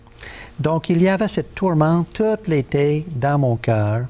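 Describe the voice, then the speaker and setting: Lively intonation from a man with a fairly high-pitched voice. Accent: slight English-Canadian. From Ontario, Canada. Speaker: testimony guest. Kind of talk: testimony. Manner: hesitant, with fillers.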